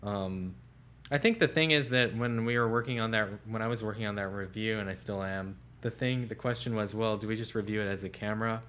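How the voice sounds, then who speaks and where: Relaxed low-voiced man on a podcast. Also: slight background noise. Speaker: senior smartphone editor, co-host. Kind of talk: casual tech podcast chat.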